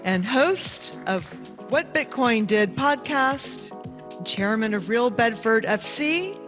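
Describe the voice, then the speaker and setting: A woman's voice: on the high side, lively intonation. Woman announcer stretching words over music. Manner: drawn-out, sung announcer delivery. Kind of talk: stage introduction over music. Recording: distant voice over loud music.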